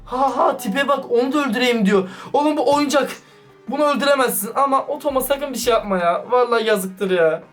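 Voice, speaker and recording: Man, excitable vlog commentary, slangy, talks to viewers, set back from the mic, music underneath. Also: extremely high pitch, a little fast. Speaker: YouTuber reacting to a chat. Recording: distant mic with background music.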